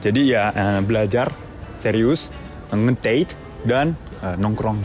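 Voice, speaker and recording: A man's voice: lowish voice, takes it slowly, a little mellow, soft background music. A man speaking slangy Indonesian as a foreigner, playfully chatting and often correcting himself. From Japan. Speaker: interviewee.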